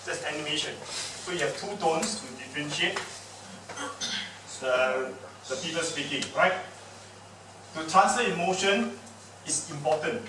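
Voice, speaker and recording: A man with a Singaporean English accent runs a lively speaking workshop, his fairly high voice bouncing with playful energy as he quizzes and teases the crowd. He is heard from across a very echoey room, with steady background noise. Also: measured pace, long pauses, far from the mic. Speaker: public speaking trainer. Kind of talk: lively workshop talk to an audience.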